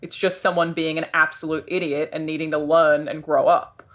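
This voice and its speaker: Deep-voiced woman, blunt and frank. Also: little pitch movement, normal speed, a bit bright. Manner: blunt and frank, with casual swearing. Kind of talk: casual panel discussion.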